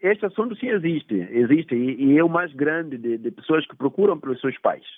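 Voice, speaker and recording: Talking at a fairly quick pace with hardly any pauses, a man with a Mozambican accent uses a fairly high pitch and very wide pitch swings. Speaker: former student and rights activist. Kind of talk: interview. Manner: hesitant with fillers.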